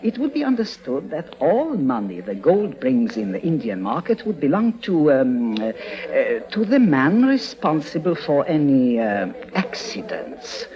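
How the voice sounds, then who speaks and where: A courteous, ingratiating schemer in a 1950s radio drama. His fairly high voice swoops up and down as he hedges around the point. The old recording sounds muffled. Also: huge pitch swings, unhurried. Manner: courteous, hesitant, roundabout. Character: smooth, ingratiating male schemer.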